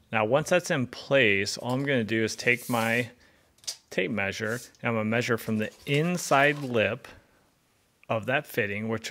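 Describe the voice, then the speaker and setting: In a concrete-walled basement, a man in his thirties with a lowish, slightly bright voice gives a home repair how-to. He explains clearly and practically, going through the job methodically one step at a time.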